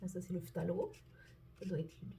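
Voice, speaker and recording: A woman's voice: on the low side, flat delivery, brisk, vocal fry, dark tone, a little hiss or hum. A French woman chatting casually as she colors at her desk, self-mocking, sometimes dropping to a whisper, recorded by a camera on a tripod. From France. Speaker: vlogger. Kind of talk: casual vlog while coloring. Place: indoors at a desk.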